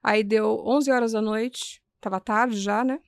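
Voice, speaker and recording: A woman with a slightly raised pitch tells her story as an interview guest, earnest and methodical. She often restarts and repeats words as she goes. The recording is dry, with little room sound. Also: fairly even intonation, smooth, dry recording. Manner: earnest, recounts events step by step with reported speech; frequent restarts and halting repetitions. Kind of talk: personal storytelling in a podcast interview.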